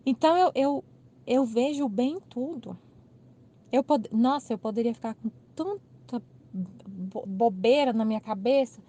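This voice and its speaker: A Brazilian woman telling a personal anecdote in a casual, animated way, acting out the people in it and laughing at herself. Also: on the high side, unhurried. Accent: Brazilian Portuguese. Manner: animated, laughing retelling with quoted dialogue. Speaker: channel host. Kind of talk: casual storytelling.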